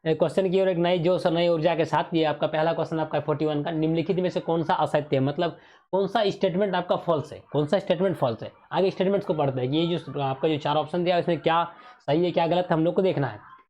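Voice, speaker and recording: A man's voice: fairly high pitch, fairly even intonation, fast talker, darkish tone, dull audio. A male teacher giving an exam revision lesson in speech, who keeps asking questions and answering them himself, repeating the key terms.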